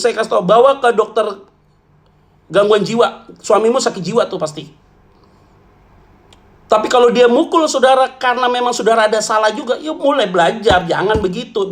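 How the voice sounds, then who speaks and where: High-voiced blunt joking pastor, a man. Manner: blunt, joking, colloquial, calls listeners "saudara". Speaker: pastor answering questions. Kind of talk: church Q&A talk.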